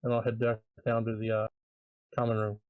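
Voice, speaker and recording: A man's voice: fairly low pitch, completely flat delivery, a little fast, dry recording, narrow, tinny audio. A man playing a tabletop game, easygoing, speaking in short plain sentences. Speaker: player. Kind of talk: casual play at a tabletop game.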